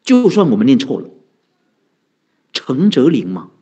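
Lively husky-voiced monk telling a story. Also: male voice, medium pitch. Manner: animated storyteller who chuckles and chants mantras slowly. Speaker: Buddhist monk giving a dharma talk. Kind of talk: storytelling dharma talk. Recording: dull lo-fi recording.

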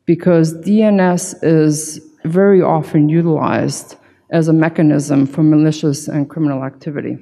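Low, mellow woman speaking in a hall. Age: middle-aged. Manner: emphatic, informal, peppered with "right" and "you know". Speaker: conference keynote speaker, security consultant. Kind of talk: conference presentation, explanatory. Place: large conference hall stage at a podium. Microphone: podium gooseneck microphone. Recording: hall reverb from a PA.

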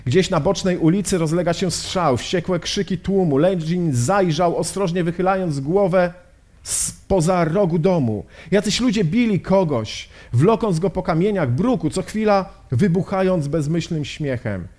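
A man's voice: high-pitched, animated, unhurried, darkish tone. A male pastor giving a sermon lecture, telling a story solemnly and posing rhetorical questions. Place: lecture at a health exhibition.

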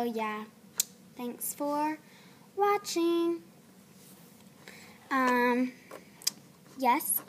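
A young woman with a runny nose, chatting casually and hesitantly in a homemade audition video. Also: on the high side. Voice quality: stuffy, runny-nosed. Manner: halting, hesitant. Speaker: amateur voice actor auditioning on video. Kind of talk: casual vlog chat. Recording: noisy home camera recording.

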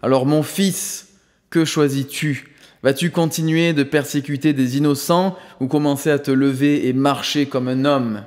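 A man doing a calm, commanding spiritual master. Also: mid-range voice, in a large hall, lightly acted. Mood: solemn. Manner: solemn, firm and measured.

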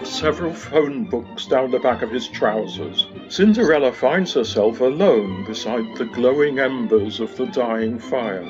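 A man narrates a pantomime in storybook style. His voice has a middling pitch and is slightly dull in sound, with prominent music behind it. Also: lively intonation, unhurried, few pauses. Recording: dull home recording with music. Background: loud background music.

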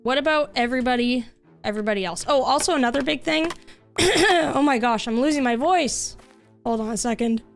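With faint music behind her, this young adult streamer talks a little fast in a high voice as she plays. Her casual game chat is bubbly and heavy on filler words.

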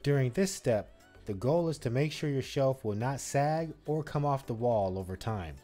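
Man, mid-pitched, instructive how-to voice-over with faint music behind. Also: lively intonation, normal speed, dark tone. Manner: instructive, step-by-step. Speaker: DIY channel co-host.

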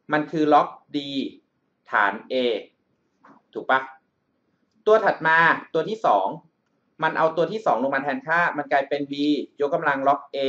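A male math tutor records a screencast voice-over, working through an exam problem and frequently checking in with the student. He calls himself by a big-brother nickname, and his voice is on the high side, pushed and bright, over dull audio.

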